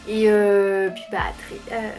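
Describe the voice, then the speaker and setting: Recorded on a camera mic at home over faint background music, a young woman rambles casually with lots of fillers during a makeup tutorial. Her mid-range, darkish voice stays measured with little pitch movement.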